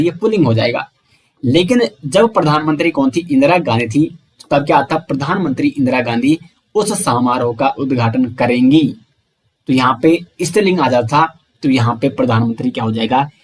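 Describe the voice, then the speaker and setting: A man's voice: on the high side, husky. Man teaching Hindi grammar by quizzing himself. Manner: asks questions then answers them himself; addresses viewers as friends. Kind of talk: exam-prep grammar lesson.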